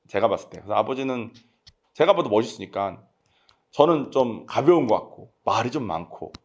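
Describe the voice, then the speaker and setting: A talkative man with a Gyeongsang accent, preaching a casual, conversational sermon and often checking in with his congregation. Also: fairly high pitch. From Gyeongsang region, South Korea.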